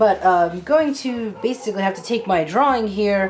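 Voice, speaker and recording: A woman with a Rhode Island accent speaks at a moderate pace, with audible room echo. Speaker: woodworking YouTuber. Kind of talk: tutorial. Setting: home garage workshop. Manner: casual, conversational.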